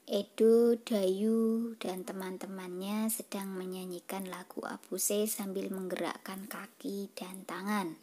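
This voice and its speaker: Slow, soft-spoken woman teacher. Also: medium pitch. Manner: slow, patient, addresses children directly. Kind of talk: reading a schoolbook lesson aloud and singing.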